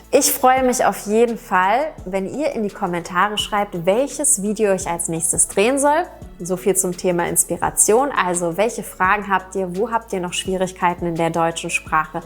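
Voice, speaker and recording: A woman from Romania, a German teacher hosting a Q&A vlog, speaking in an animated, friendly way straight to her viewers and a little quicker than usual. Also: on the low side. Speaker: German teacher and channel host.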